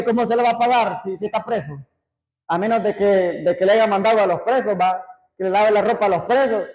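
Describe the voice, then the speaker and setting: A man preaching a sermon, reading scripture slowly and breaking off for conversational asides to the congregation. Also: high-pitched, a little mellow, low-quality recording. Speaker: pastor.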